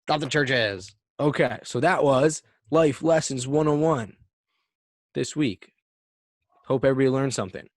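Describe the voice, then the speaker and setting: A man hosting a loose podcast conversation, cracking jokes and swearing freely. His voice sits at an ordinary pitch and sounds dry, with no room around it. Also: normal speed, pauses often, no room sound. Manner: joking, profane, rambling. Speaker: podcast host. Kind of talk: casual podcast chat.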